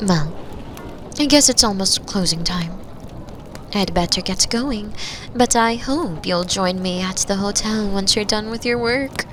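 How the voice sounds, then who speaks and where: A woman playing a flirtatious, confident mature bar patron in an intimate roleplay, teasing and breathy, often dropping toward a whisper. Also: mid-range voice, background noise, lightly acted. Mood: teasing, patient. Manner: slow, sultry, breathy, drops into near-whispers. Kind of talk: binaural roleplay audio drama, intimate second-person acting.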